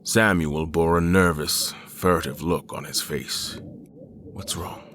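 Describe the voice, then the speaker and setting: A deep-voiced, solemn admiral. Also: male voice, steady tone, fairly bright tone, a little hiss or hum. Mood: wary. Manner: measured, solemn, formal. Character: Admiral Beckett, grave, determined father trapped in haunted manor. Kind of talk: audio horror drama, first-person narration.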